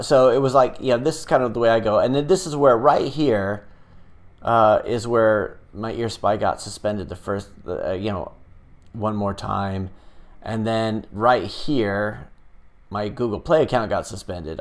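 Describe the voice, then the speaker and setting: A middle-aged man hosting a casual live stream, chatting loosely with many pauses and restarts. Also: fairly low pitch. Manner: rambling and hesitant, many fillers and restarts. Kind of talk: casual live-stream chat, reading viewer comments.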